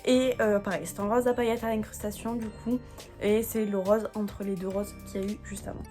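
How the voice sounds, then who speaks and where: A woman's voice: mid-range voice, level tone, fairly quick, warm tone, faint music behind. A woman presenting nail colours in a casual, enthusiastic chat, with many fillers and stumbling over English colour names she reads from a screen. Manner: chatty, enthusiastic, many fillers and repeated praise. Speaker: beauty vlogger. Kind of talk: casual product showcase.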